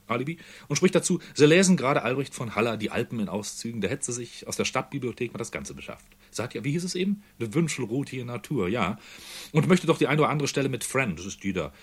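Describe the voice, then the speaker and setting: A man's voice: medium pitch, husky. A man reading literary prose aloud for a radio feature, acting out the dialogue as he goes. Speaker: reader.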